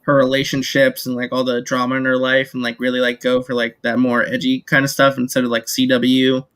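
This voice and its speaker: A man's voice: medium pitch, completely flat delivery, a little fast, fairly bright tone, clean tone. A man chatting casually and giving blunt opinions, peppering his sentences with "like". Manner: opinionated, heavy use of "like". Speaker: panelist on an entertainment chat show. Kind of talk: casual chat.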